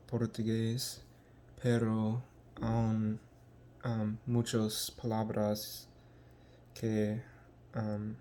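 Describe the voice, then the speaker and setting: A young American man from the United States, talking casually in a vlog and haltingly searching for words with many ums. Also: lowish voice, dark tone, slight background noise. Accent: American English. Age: young adult. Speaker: language learner.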